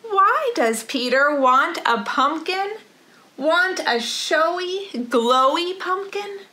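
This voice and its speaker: A middle-aged woman leading a storytime for young children in an animated, rhythmic sing-song delivery, recorded in a living room. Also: very high voice, takes it slowly. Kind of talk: children's storytime read-aloud.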